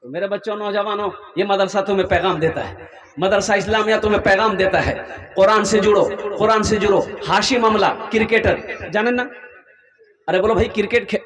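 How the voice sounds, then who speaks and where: A man preaching a storytelling sermon to a gathering, animated and rising to shouts for emphasis. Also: high-pitched, a little fast. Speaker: Islamic preacher. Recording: echoey hall, mic far off.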